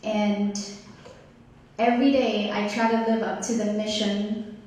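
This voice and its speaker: A woman from Ethiopia in her thirties giving a prepared community talk as guest speaker, slow and deliberate. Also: medium pitch, flat delivery, a little mellow. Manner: slow, deliberate, measured delivery. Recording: echoey hall, distant mic, faint noise.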